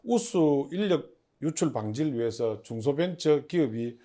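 Speaking as the head of a public agency, this man answers interview questions formally and a little haltingly, seemingly reading partly from prepared notes. He has a warm, animated mid-range voice.

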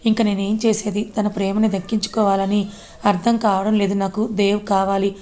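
A woman's voice: mid-range voice, little pitch movement, moderate pace, a little mellow, close to an everyday voice. A woman reading the lines of a tearful, lovesick young woman in a story, with plain read-out dialogue. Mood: pleading.

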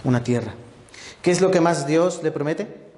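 A man's voice: a little high, moderate pace. A man preaching a sermon as an evangelist, asking his listeners questions at every turn. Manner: lively, asks the congregation many rhetorical questions. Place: church hall. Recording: echoey reverberant church hall.

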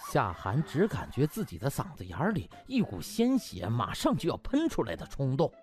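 A man narrating a comic audiobook in an animated, theatrical way with drawn-out emphasis. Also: medium pitch.

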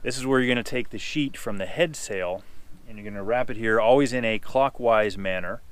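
A man's voice: fairly low pitch, fairly quick, clean tone. A man in his forties, a sailing instructor, explaining the parts of a sailboat step by step, asking and answering his own questions. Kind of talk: hands-on instructional walkthrough. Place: outdoors on a small sailboat at a dock.

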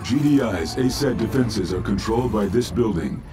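An actor voicing an impassive military battle computer in a video game, giving clipped, matter-of-fact announcements. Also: male voice, on the low side, expressive, normal speed, natural voice. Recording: loud music over game battle noise.

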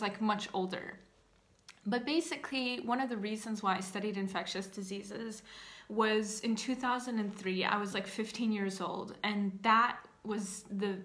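A woman's voice: medium pitch, a bit bright. A woman in her thirties, from Canada, chatting casually to camera about her life, with many fillers and restarts. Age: 30s. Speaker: channel host. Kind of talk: casual personal storytelling to camera. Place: small indoor room, seated.

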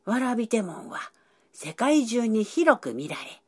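Woman doing an old professor guy, slow and lively, lectures on and on. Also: a little high, breathy edge, full character voice. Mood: lecturing. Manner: old-man speech, lecturing at length. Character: elderly male professor, lecturing and self-assured. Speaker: professor explaining ancient symbols. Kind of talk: educational dialogue.

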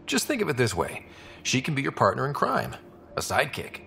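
An actor playing a steady, supportive young human space explorer in a video game, earnest and direct. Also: male voice, medium pitch, brisk, creaky, a little hiss or hum, full character voice. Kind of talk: dramatic video game acting.

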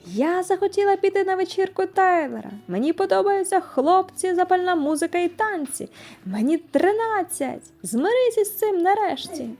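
A woman's voice: sits high, animated, moderate pace, soft background music, voice pushed up. A woman doing a defiant teenage girl, Meilin. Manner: pleading, then defiant and shouting. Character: thirteen-year-old girl, stubborn and emotional.

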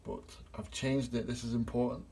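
A man's voice: mid-range voice, flat delivery, moderate pace, warm tone. A middle-aged man, a gas engineer, plainly explaining a boiler test step by step while filming on his phone in a small workshop. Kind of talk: hands-on repair demonstration. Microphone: phone camera held in hand.

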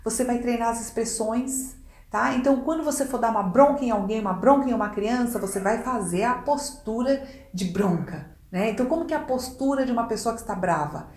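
A woman with a Brazilian accent giving a casual coaching lesson in an expressive, demonstrative way, often checking in with quick tag questions. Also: a little high. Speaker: communication coach. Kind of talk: casual instructional video talk. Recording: echoey room.

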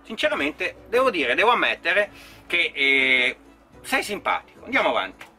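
A man's voice: on the high side, very animated, moderate pace, pushed and bright, soft background music. A man reading hateful comments aloud and answering them with mocking sarcasm, not a native speaker of the language he speaks. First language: not Italian. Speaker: vlogger reading hater comments.

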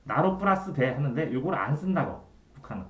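Male tutor, animated delivery, keeps checking the student understands. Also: medium pitch, a little fast. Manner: trailing off quietly at the ends of phrases. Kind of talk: one-on-one Korean grammar tutoring. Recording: echoey room.

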